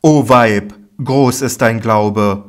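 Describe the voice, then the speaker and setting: A man reading a stern preaching teacher. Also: medium pitch. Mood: admonishing. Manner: declaiming, emphatic, slow. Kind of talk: solemn Bible audiobook reading.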